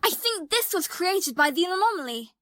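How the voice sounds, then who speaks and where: A woman's voice: extremely high pitch, sing-song, moderate pace, sharp tone, no echo, studio quality, heavily acted. A woman playing a sceptical, analytical young adventurer in an audio drama, questioning and reasoning things out. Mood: sceptical, thoughtful.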